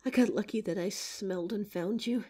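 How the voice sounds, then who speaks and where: A woman voicing a gentle young female werewolf girlfriend in an audio roleplay, speaking tenderly and slowly through a grounding exercise. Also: mid-range voice, husky, close to an everyday voice. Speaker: voice actor.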